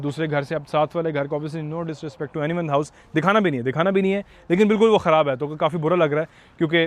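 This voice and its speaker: On the high side with a little hiss or hum, this man's voice carries a Pakistani Urdu accent as he hosts an outdoor walkthrough house tour. He chats directly to viewers, code-switching by dropping English phrases into his talk.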